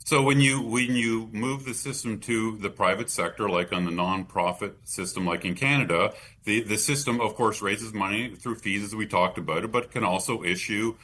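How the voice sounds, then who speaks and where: A man with a North American accent, a policy expert explaining things in an interview with halting false starts. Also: fairly low pitch, fairly bright tone.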